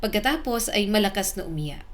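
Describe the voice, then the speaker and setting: Brief: female narrator for a heartfelt drama, slow and emotional. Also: medium pitch, lively intonation. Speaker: storyteller.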